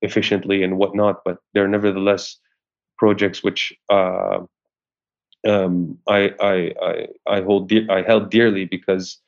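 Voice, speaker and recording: A man with a fairly low voice talks about his acting work, often stopping and restarting his sentences. He is from Syria. The recording sounds dull and muffled. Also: little pitch movement, measured pace, vocal fry. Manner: hesitant, many restarts. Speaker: actor. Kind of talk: interview conversation.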